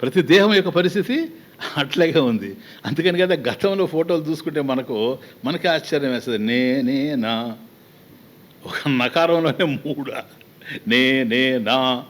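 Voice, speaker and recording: A man's voice: a little high, animated, normal speed. A man with a Telugu accent giving a spiritual discourse as a swami, talking conversationally with many rhetorical questions and acted-out little exchanges.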